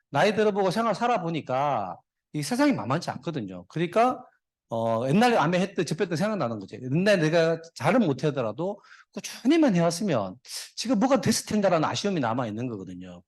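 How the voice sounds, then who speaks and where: A middle-aged man giving a motivational guest speech, telling stories and dad jokes to the audience. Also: fairly high pitch. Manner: jokey storyteller, dad jokes, talks to the audience. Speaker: guest speaker.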